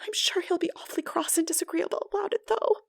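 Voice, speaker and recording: A woman's voice: very high-pitched, steady tone, quick pace, vocal fry, pitched above the performer's own voice. A woman voicing an impulsive, melodramatic, talkative teenage girl in a breathless, exclamatory audiobook reading. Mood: miserable, resolute. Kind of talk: dramatic audiobook character voice.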